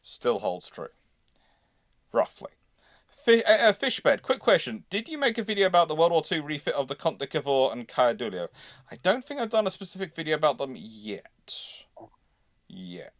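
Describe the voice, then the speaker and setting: A man hosting a live history question-and-answer session, talking haltingly and often repeating and rephrasing his words. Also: a little high, sing-song, fairly bright tone, no room sound, clean studio sound. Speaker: host of a naval history livestream.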